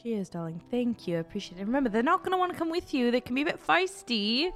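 A woman's voice: on the high side, expressive, quick pace, a bit bright, soft background music, voice pushed up. Casting: woman doing sly flirt, sugary and coaxing, calls everyone darling. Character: scheming flirtatious woman, sweet-talking.

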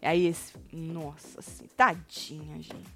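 A woman's voice: low voice, slow, soft background music. A woman hosting a casual chat about a reality show, retelling scenes and acting out what people said. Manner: animated retelling, acting out quoted lines.

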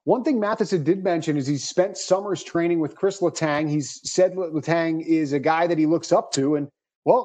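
Male podcast host, measured analytical read, higher pitch, warm mellow timbre. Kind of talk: scripted sports podcast narration.

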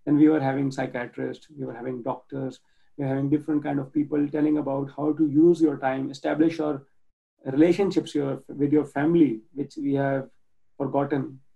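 A man from Pakistan talking earnestly about his nonprofit work as a guest on a video call, halting often with restarts and fillers. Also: mid-range voice, little pitch movement, vocal fry, warm tone, dull audio. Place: home in Germany.

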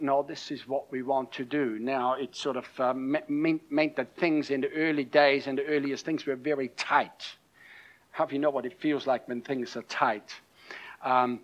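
A man's voice: medium pitch, dull audio. A middle-aged man from Austria with a German-accented English, preaching a conversational sermon with many fillers and restarts. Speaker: pastor.

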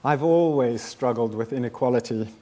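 Man, 50s, from South Africa; founder's keynote, measured and sincere, middle-pitched. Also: dark tone. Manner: measured, earnest, builds with repeated phrases. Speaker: founder giving a talk. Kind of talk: prepared speech to an audience.

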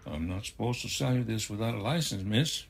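A man's voice: lowish voice, brisk, creaky, slight background noise. An actor in an audio drama playing an obliging but wary hunting-shop salesman with a polite sales manner.

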